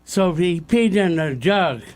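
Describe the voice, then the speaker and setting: Slow-talking man with dry teasing quips. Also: high-pitched, expressive. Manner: dry, teasing one-liners. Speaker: radio guest. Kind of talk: casual talk radio banter.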